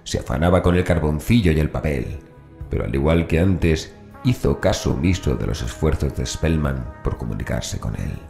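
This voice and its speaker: Man, very deep voice, audiobook narrator, scripted horror storytelling, faint background music. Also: moderate pace, gravelly, warm tone.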